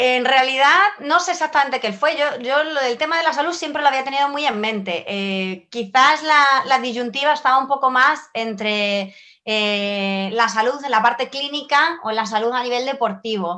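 Against a quiet background, a woman speaks at a moderate pace in a raised, projected voice, with hardly any pauses. Her tone is bright and sharp, high in pitch with ordinary variation. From Spain (Madrid), born in Argentina. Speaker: nutritionist and teacher. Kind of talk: interview.

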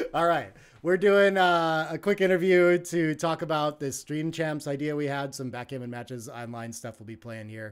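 A man with a fairly high pitch uses lively intonation and big swings in loudness, at a moderate pace with hardly any pauses. It's a normal speaking voice over a quiet background. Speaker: backgammon YouTuber and author. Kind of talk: casual interview. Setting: video call. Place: home room. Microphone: headset.

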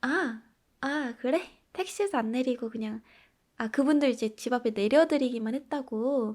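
A woman speaks high, in an animated, playful tone, in a very clean recording with a silent background. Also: ordinary pitch variation, moderate pace. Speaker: ASMR roleplay creator. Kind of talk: girlfriend roleplay ASMR, mock-jealous rant. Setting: recording from the US. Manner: indignant, sulky, voice rising in jealousy; animated, playful, flustered stammering.

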